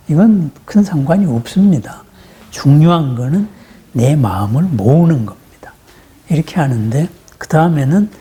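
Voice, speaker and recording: Male Buddhist teacher, dark breathy voice, explains patiently and keeps checking in with the room. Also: on the high side. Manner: explanatory, often checks in with the listeners with short questions; conversational, uses rhetorical questions. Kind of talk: teaching sermon on meditation practice.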